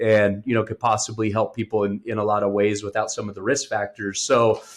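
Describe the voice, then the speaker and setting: Medium in pitch and moderate in pace, this man has a plain, everyday voice. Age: 30s. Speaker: personal trainer. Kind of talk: casual interview chat.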